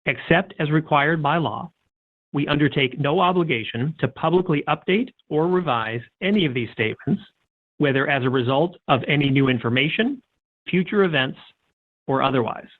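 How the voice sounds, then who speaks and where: A man's voice: a little high, expressive. Stiff corporate man on a tinny phone line. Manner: stiff, formal, measured. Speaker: head of investor relations. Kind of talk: formal scripted corporate disclosure reading. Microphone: telephone.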